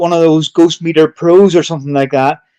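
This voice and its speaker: A man with a Northern Irish accent speaks at a moderate pace, his high pitch carrying a dark, mellow tone. Intonation stays fairly even, and the sound is dry and close with no echo. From Northern Ireland, Belfast. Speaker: podcast host, paranormal investigator. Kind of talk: casual chat. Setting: live video call show.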